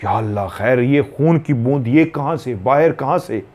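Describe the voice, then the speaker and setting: Male narrator playing a frightened young man, talks to himself, low and shaken. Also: expressive, moderate pace, a little mellow, close to an everyday voice. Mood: shocked. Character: frightened young man alone in a dark room.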